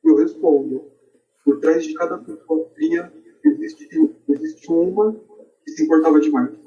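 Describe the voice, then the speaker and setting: A man's voice: a little high, lively intonation, unhurried, dark tone. A man with a Brazilian accent talking casually as a podcast guest, on a dull, distant-sounding microphone.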